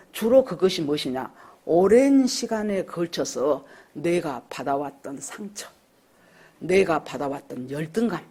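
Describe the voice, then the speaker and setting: Husky, animated woman pastor preaching. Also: medium pitch. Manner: animated, rhetorical questions to the congregation. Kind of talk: sermon.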